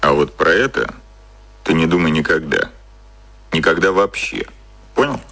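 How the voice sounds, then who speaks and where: Cynical boss, low voice, lively swooping intonation, offhand, cocky, radio drama. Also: male voice, moderate pace, creaky, exaggerated voice. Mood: sly, firm. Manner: offhand, colloquial explaining. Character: cynical, cocky male boss explaining secret media machinery.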